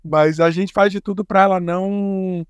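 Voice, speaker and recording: A Brazilian-accented man with a slightly higher-than-usual voice, talking as an interview guest. He explains in a relaxed, meandering way, with fillers and restarts. The recording is dry and close. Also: normal speed, smooth, no room sound. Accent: Brazilian Portuguese. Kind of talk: casual conversational interview.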